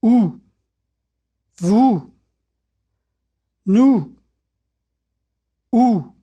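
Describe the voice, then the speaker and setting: A speaker giving slow, carefully articulated French words and drills for learners to repeat. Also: medium pitch, animated, warm tone, slightly rough, highs cut off. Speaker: French pronunciation model speaker. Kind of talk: slow drilled language-lesson prompts.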